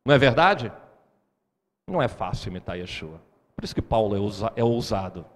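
A man preaching a sermon, lively and often turning questions to the congregation. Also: fairly low pitch, brisk. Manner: animated, asks the congregation questions. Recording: hall reverb.

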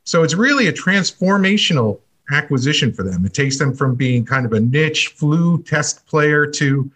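Guy analyst explaining stuff calmly, kinda husky voice. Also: a little high. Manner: measured, clear explanations. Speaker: industry analyst guest. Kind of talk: measured expert commentary.

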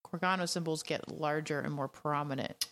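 Woman, podcast co-host, lowish voice, musing casual chat. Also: fairly even intonation, normal speed, a bit bright.

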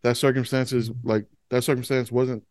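A man's voice: mid-range voice, little pitch movement, moderate pace, a little mellow, no room sound. Slangy man in dry, close podcast chat. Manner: slangy, profane, emphatic.

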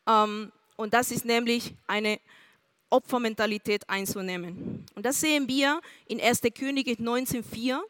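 A woman's voice: fairly high pitch, measured pace, fairly bright tone, no room sound. A woman preaching a sermon in an earnest way, speaking straight to her listeners with questions.

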